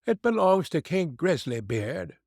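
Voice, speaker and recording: A man voicing a rough, plain-spoken travelling fiddler in a read fairy tale. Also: a little high, sing-song, measured pace, a little mellow, no room sound, studio quality, pitched above the performer's own voice, full character voice. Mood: teasing.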